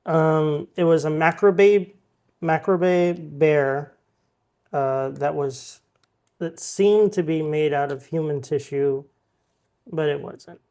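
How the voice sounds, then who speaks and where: A man's voice: a little high, slow pace. A man hosting a podcast, casually reading out news stories with plenty of ums and uhs. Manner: relaxed, reads headlines with filler ums and uhs.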